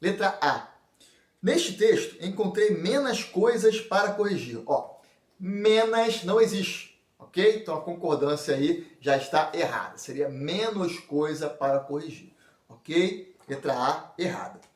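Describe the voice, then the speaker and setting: A man's voice: on the high side, animated, a little slow, distant mic. A man with a Brazilian Portuguese accent teaching an exam prep lesson, explaining each point step by step and checking in with his students. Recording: echoey room, voice a bit off mic.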